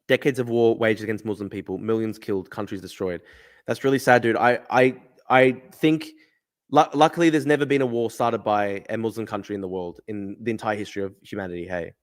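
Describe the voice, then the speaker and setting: A young man with a lowish voice reads chat during his casual livestream at a fairly quick pace. He responds bluntly, argues, swears freely and repeats phrases.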